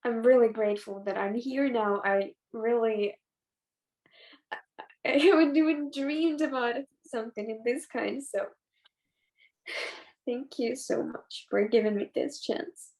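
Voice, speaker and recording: A twelve-year-old girl with a Ukrainian accent, giving halting, earnest personal testimony over a video call. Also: a little high, a little mellow. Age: child, twelve. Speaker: young participant in a play reading.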